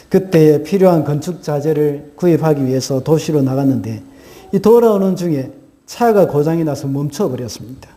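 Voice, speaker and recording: A man's voice: on the high side, dark tone. A male pastor preaching a sermon, telling a story earnestly with hesitant fillers and small self-corrections.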